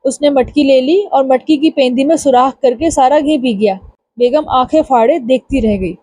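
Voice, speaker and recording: Brief: female storyteller for an audio story library; even narration, dry close sound. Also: high voice, normal speed, dry recording.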